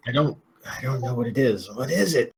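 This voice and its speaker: A man's voice: medium pitch, lively intonation, brisk, creaky, background noise. A man chatting casually as a player in a tabletop game.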